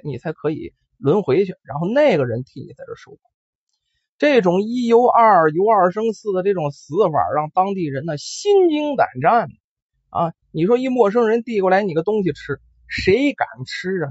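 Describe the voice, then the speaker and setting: A man telling a ghost tale in an animated oral storytelling style, full of exclamations, in a lo-fi recording. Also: high-pitched, breathy edge, dry recording. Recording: dull lo-fi recording.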